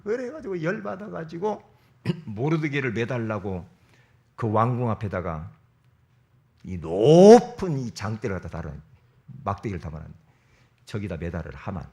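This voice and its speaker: A male pastor preaching a sermon as dramatic storytelling, swinging between whispers and shouts. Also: medium pitch, very animated, moderate pace, gravelly.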